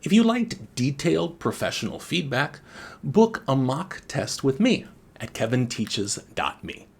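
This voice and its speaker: Slow, lively-voiced male English tutor. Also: medium pitch, vocal fry, a little hiss or hum. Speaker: IELTS teacher and former examiner. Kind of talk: scripted teaching video.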